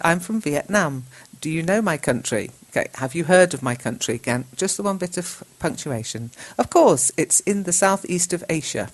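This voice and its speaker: A woman works through learners' chat messages. She reads each line aloud and corrects it. She spells the words out letter by letter at a patient teacher's pace. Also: fairly low pitch. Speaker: English teacher host.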